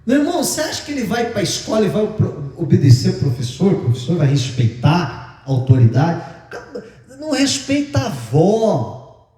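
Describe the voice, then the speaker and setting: A Brazilian male pastor preaching in a chatty, joking way, his voice high and swinging widely in pitch. His tone is mellow. He sounds distant, with heavy reverb from a large church sanctuary. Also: normal speed. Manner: chatty, joking, animated storytelling. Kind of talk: sermon.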